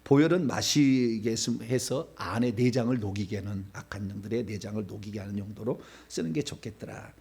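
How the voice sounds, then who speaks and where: A man preaching a charismatic sermon at a church prayer meeting, telling stories with sudden shouted commands. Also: lowish voice, brisk, gravelly, hardly any pauses, breathy edge. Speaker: pastor. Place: church sanctuary.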